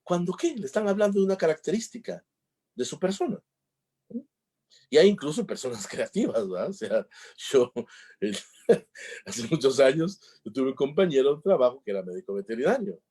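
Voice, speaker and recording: This speaker's voice is fairly high, dark, and slightly rough, with a sing-song lilt, normal speed, and long pauses. At a conference on emotional intelligence, he spins humorous stories and acts out each exchange.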